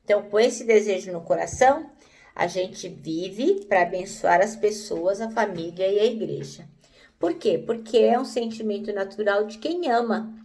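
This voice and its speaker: A woman's voice: mid-range voice, normal speed, dark tone, far from the mic. A woman teaching the Bible in a conversational way, often checking in with "né?" and "então".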